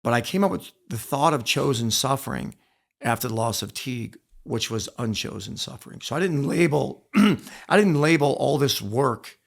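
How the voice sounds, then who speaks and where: A gravelly, expressive, medium-pitched voice at normal speed belongs to a middle-aged American author and former wrestler guesting on a podcast. In this reflective interview he tells personal stories earnestly and emphatically, often repeating phrases for effect.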